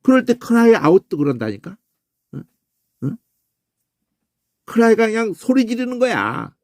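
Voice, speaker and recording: Male Bible teacher, animated lecture delivery, swoops in pitch, keeps asking "eh?". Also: slow, dry recording, studio quality. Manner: animated, peppers talk with questioning "eh?", imitates crow cries and shouts. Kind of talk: Bible word-study lecture.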